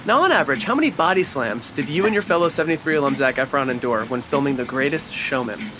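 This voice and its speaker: A man interviewing someone outdoors at a home garden, upbeat and quick in his questioning. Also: mid-range voice, expressive, noisy background. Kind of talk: rapid-fire interview questions.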